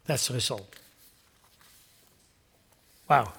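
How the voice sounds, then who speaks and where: A man's voice: mid-range voice, drawn-out words, creaky, fairly bright tone, husky. A man preaching a sermon as a pastor, impassioned and repeating words as he builds emphasis.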